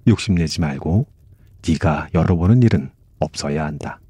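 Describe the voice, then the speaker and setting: A man's voice: rumbling low, animated, moderate pace, warm tone, breathy edge, no echo, voice pushed down, heavily acted. A man voicing a proud, cautioning goddess of the underworld in a bedtime myth, with stately, commanding speech.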